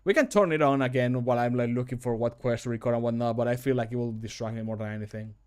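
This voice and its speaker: A man's voice: medium pitch, fast talker, a little mellow, smooth. A man in his thirties chatting casually on a livestream in a rambling, self-deprecating way. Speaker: streamer and game modder. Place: small home room, indoors.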